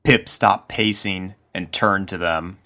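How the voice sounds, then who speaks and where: A man reading scripted spooky fiction as narrator, in a measured way with dramatic pauses. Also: low-pitched, steady tone, bright, forceful tone. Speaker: narrator, fan fiction reader.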